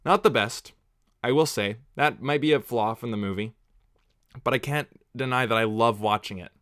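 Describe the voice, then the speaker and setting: A man's voice: mid-range voice, normal speed, fairly bright tone, no echo, studio quality. A man from Canada hosting a casual movie watch-along livestream, chatting and rambling off on tangents while answering viewers.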